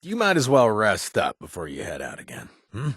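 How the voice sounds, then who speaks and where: Soft-hearted ex-raider, husky low voice, lots of ums and restarts, swings up and down a lot, dry close sound. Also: male voice, wildly swooping pitch, no room sound, exaggerated voice. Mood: friendly. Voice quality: husky, halting with many fillers and restarts. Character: reformed ex-raider man, gentle and awkward. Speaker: companion character. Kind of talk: video game voice acting.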